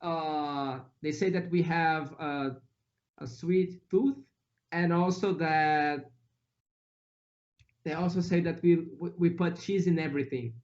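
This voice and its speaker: Brazilian-accented male guest, unhurried delivery, slightly raised pitch, dull lo-fi sound. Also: fairly even intonation, darkish tone. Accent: Brazilian Portuguese. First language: Portuguese. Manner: easygoing, listing foods with Portuguese words. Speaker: guest, English teacher. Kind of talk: casual interview chat.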